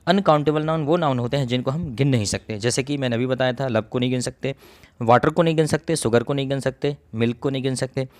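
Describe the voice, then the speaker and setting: A man gives a recorded grammar lesson to students, speaking at an ordinary middle pitch. He moves through each rule step by step, repeating himself to make it stick. Now and then he pauses to clear his throat. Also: a little mellow. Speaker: English grammar teacher.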